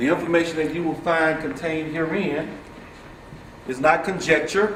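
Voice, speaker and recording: With audible room echo and noticeable background noise, a man speaks at a moderate pace in a fairly high pitch, his intonation fairly even. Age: 40s. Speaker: political activist and former Senate candidate. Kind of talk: public speech. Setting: stage with audience, no mic. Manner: loud.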